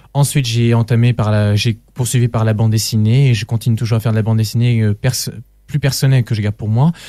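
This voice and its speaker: A man with a dark, mellow tone talks at a very fast pace, with fairly even intonation and very even loudness. The recording is very clean, with a silent background and a dry, close sound with no echo. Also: medium pitch for a man. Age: 20s. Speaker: author. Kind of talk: radio interview. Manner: hesitant, many fillers.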